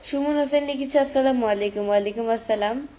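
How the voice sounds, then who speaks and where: A woman's voice: a little high, fast talker, mellow, slight background noise. A teenage girl with a Chandpur Bengali accent chatting on a live stream, reading viewer comments aloud and answering them on her phone. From Bangladesh. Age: teens.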